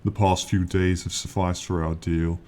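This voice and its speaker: A man voicing an ancient, proud male dragon in an ASMR fantasy roleplay, speaking slowly and formally with lofty, condescending yet fond authority. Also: low-pitched, level tone, a little mellow, natural voice. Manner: slow, formal, lofty, archaic phrasing.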